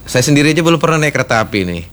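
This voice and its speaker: A man's voice: on the high side, big pitch swings, fairly bright tone. Chatty male radio host. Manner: chatty, quick back-and-forth, lots of short acknowledgments. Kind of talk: casual radio chat with callers.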